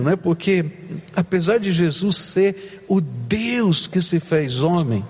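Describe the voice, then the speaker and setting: High-voiced preacher in a reverberant church. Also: male voice, slightly rough. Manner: dramatic, swings from loud to hushed. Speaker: pastor. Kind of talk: sermon.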